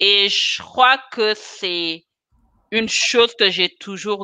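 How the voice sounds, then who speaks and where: Set against a quiet background with a dry sound and no echo, a woman speaks in a bright, sharp tone with lively intonation. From Senegal and West/Central Africa. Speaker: cosmetic chemist and entrepreneur; guest. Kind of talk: interview. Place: home room. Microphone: video call.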